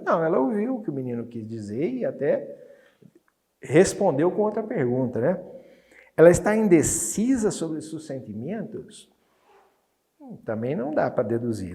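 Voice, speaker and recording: A man with a Brazilian Portuguese accent teaching an exam review lesson. He reads Spanish test items slowly, then explains them in a chatty way and keeps checking in with his students. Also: a little high, darkish tone.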